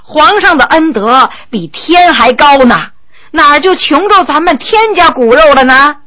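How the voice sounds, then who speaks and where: A woman voicing an eager, flattering noble lady in a storybook, speaking in a soothing, lowered voice. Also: measured pace, full character voice.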